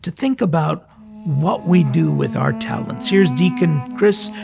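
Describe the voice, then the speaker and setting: A man's voice: fairly high pitch, expressive, measured pace, creaky, music in the background. A man speaking as a priest and programme host, giving an informal sermon in a conversational way with direct questions to his listeners. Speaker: priest hosting a weekly devotional programme. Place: recorded in a cathedral choir loft.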